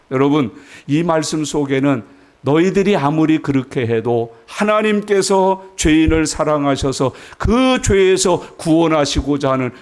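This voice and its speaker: A man delivers a Sunday sermon in a church sanctuary, his voice sitting a little high for a man. He moves from hushed, low explanation to sudden, loud and high exhortation, and he acts out scolding voices as he preaches. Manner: preaching with sudden rises in pitch and force, acting out scolding voices. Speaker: pastor.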